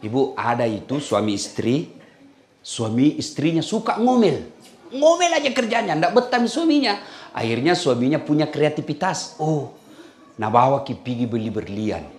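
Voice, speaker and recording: A man's voice: medium pitch, normal speed. A man preaching a humorous sermon, telling stories with laughs and teasing the women in the audience. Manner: lively storytelling with laughs and teasing asides to the women. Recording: echoey room sound.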